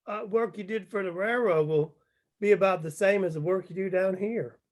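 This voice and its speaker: A man's voice: high-pitched, moderate pace, natural voice. A man playing a grim, hard-bitten, wary coal miner in a screenplay table read, with a folksy, dour manner. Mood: grim explaining.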